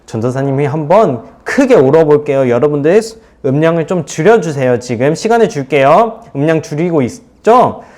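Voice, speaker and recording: A man's voice: a little high, lively intonation, normal speed, hardly any pauses, a little mellow. A male youth pastor preaching to teenagers, retelling a Bible story expressively with playful asides.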